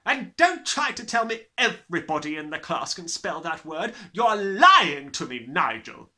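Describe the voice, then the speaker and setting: A man voicing a huge, bullying headmistress, bellowing with scornful, drawn-out menace in a storybook reading. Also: on the high side, big pitch swings, bright, forceful tone, voice pushed up, exaggerated voice. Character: huge, bullying, furious tyrant headmistress, adult woman.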